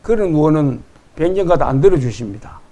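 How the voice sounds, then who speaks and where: A middle-aged male pastor preaching a sermon, reading verses slowly and with emphasis and acting out the quoted voices. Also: fairly high pitch, expressive, dark tone.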